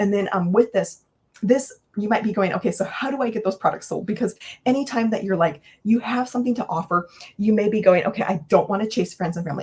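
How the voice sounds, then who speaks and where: A woman speaks at a very fast pace in a somewhat breathy voice. Her pitch is medium, with ordinary variation. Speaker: online business coach. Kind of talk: sales pitch. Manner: animated.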